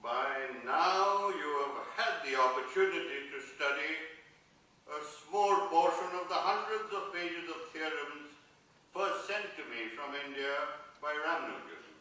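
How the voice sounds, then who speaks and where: A man playing an exacting English mathematics professor, delivering a deliberate, oratorical lecture in a play reading. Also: a little high, pushed and bright. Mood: measured, puzzled. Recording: very echoey hall, distant mic.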